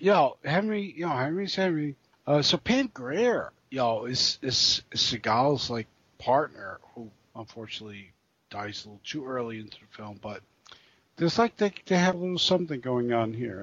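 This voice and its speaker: Casting: male podcast co-host, rambling and halting, husky voice, dull lo-fi sound. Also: mid-range voice, fairly bright tone, no room sound. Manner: rambling, halting, swears freely. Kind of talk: casual film chat.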